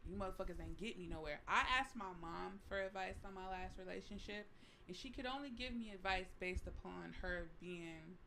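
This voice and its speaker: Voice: medium pitch, noisy background. A co-host on a casual podcast, speaking frankly and reflectively about personal experience. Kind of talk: casual group chat.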